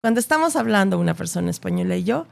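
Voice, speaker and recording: A woman with a Latin American Spanish accent, speaking in a mid-range voice with lively intonation, rapid-fire delivery and vocal fry. She is an interview guest and a journalist, laying out her opinions in an articulate, emphatic way. She builds her points through repetition and rhetorical tags, repeating words to drive them home.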